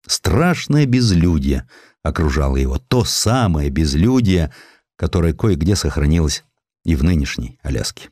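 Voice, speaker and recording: A man reading scripted historical sketches as an audiobook narrator, in an expressive storytelling manner. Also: a bass voice, moderate pace, dry recording, clean studio sound.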